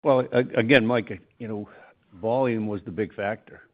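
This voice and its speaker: A man speaking as a company executive, giving a halting, stop-start answer on an earnings call. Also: on the low side, fairly even intonation. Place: conference call. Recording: thin phone-like call audio.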